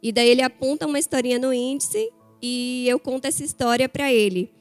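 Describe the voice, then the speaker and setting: A woman's voice: high voice, a little fast, no room sound, faint music behind. A woman in her thirties from Bahia with a Bahian accent, preaching a chatty, story-filled sermon to a church. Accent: Bahia Portuguese. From Bahia, Brazil. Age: 30s. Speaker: guest preacher.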